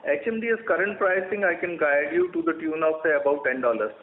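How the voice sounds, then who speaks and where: Man, Indian accent, executive fielding call questions, halting explanations, echoey phone audio, faint noise. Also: on the high side, narrow, tinny audio. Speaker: company executive answering analysts' questions. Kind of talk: earnings call question and answer. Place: conference call over a phone line.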